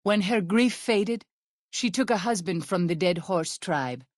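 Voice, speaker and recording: A woman voicing a gentle, earnest tribal healer in a video game, speaking in formal, measured phrases. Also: on the low side, no room sound, clean studio sound. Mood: somber, subdued. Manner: formal, measured, careful phrasing without slang. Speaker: video game companion character and ending narrator. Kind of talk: scripted video game voice acting. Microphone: close studio microphone, dry.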